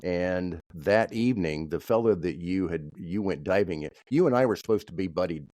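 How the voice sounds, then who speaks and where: A man from Kansas co-hosting a podcast, telling stories in a halting way with many restarts. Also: low voice, animated, a little mellow, dry recording. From Kansas, USA. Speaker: podcast co-host. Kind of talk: casual podcast chat.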